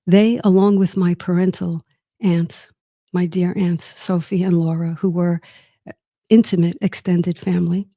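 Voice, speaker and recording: A woman's voice: lowish voice, flat delivery, a little slow, no room sound, studio quality. Wry woman telling her family story. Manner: warm, wry and reflective. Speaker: host. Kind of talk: personal storytelling monologue.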